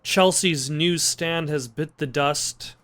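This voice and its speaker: This gameplay host talks slowly in a fairly bright voice on the high side, offering dry jokes during a casual let's play. Game music plays behind him.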